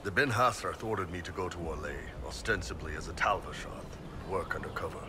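A man voicing a huge horned mercenary spy in a video game, gruff and wry, blunt and laid-back, with a deep gravelly voice. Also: normal speed, noisy background, natural voice. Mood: weary, blunt. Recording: game audio with clear background ambience.

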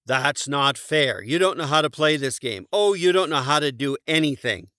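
A bossy, short-tempered he-bear from a children's storybook, acted out by a man. He blusters emphatically with exasperation, in a forceful, animated voice. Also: a little high, moderate pace, no room sound, studio quality. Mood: grumbling, angry.

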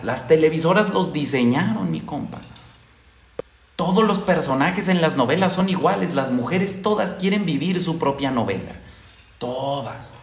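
A man's voice: on the high side, reverberant. A Mexican man giving blunt, slang-filled dating advice on a casual livestream, often repeating lines for emphasis. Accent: Mexican Spanish.

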